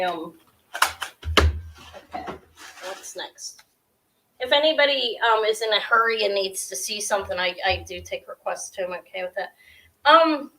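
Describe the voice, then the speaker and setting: A middle-aged woman with a sharp, high-pitched voice, hosting a live jewelry auction from her desk at home, chatty and scattered with lots of ums and quick restarts. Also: background noise. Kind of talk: casual live-stream selling. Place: small home room with shelves of jewelry displays.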